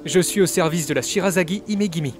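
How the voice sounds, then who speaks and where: Game dub: courteous, affable young male retainer, acted by a man, lightly high-pitched, formal, articulate delivery over music. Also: fast, natural voice. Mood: polite, assured. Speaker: amateur voice actor dubbing a game character. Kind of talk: scripted game dialogue dub.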